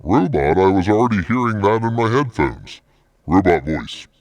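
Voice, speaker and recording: A man testing deeper male and robot presets of a voice changer, commenting offhandedly. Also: very animated, moderate pace, darkish tone, dry recording. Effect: voice changer, robot filter.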